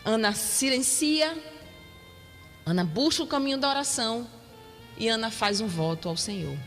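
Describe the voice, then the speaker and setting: A Brazilian woman delivers a sermon in a reflective tone, repeating her points for emphasis. Her voice sits a little high and carries a long reverb through the church hall. Soft music plays faintly underneath. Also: animated, normal speed. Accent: Brazilian Portuguese. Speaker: preacher.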